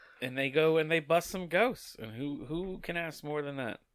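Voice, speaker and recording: A man talks at a moderate pace. The recording is very clean and the background silent. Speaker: train conductor and podcast host. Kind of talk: casual chat.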